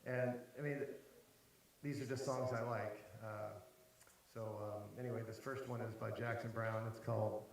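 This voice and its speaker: A man performing at a live benefit concert, chatting quietly and haltingly between songs in a self-deprecating way. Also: medium pitch, fairly even intonation, gravelly, slight background noise. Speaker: singer-songwriter performer. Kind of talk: casual stage banter between songs. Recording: echoey live room with music.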